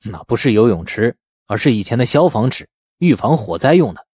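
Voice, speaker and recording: A male narrator acts out a practical, easygoing villager from an audiobook novel. He has a husky, mellow voice. His talk is casual and coaxing, explaining things plainly. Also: medium pitch, lively intonation, a little fast, no room sound, clean studio sound.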